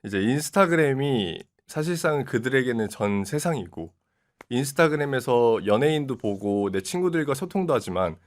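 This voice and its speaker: Young male commentator, 20s, animated delivery, steady explainer. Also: mid-range voice, moderate pace. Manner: explanatory, steady, frequent short acknowledgments. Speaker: guest commentator. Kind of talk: casual political talk.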